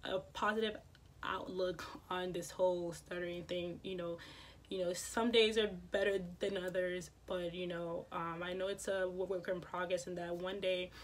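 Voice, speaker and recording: A woman's voice: fairly low pitch, little pitch movement, moderate pace. A woman vlogger who stutters, repeating sounds and words, talking casually to camera with many fillers. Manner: many fillers, soft-spoken.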